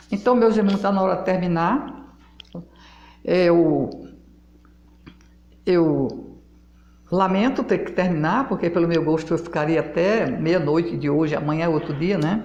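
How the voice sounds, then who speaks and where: A woman with a fairly low pitch and lively intonation, at a fairly slow pace with long, frequent pauses and audible room echo. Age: 80s+. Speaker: spiritist religious teacher. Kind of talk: spoken religious talk to an audience. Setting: online video transmission from home. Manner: halting, with repetitions.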